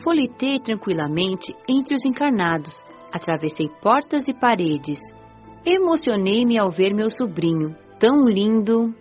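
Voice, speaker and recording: A woman narrates a dramatized spiritual story in a gentle, reflective voice with a lively melody. The audio is slightly muffled, with a soft music bed behind her. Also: medium pitch. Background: soft background music.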